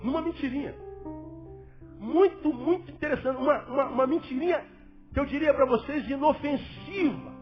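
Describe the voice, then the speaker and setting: A man preaching a sermon as pastor, dramatic, swinging between loud emphasis and near-whispers, in a dull lo-fi recording with faint music. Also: very high voice, normal speed.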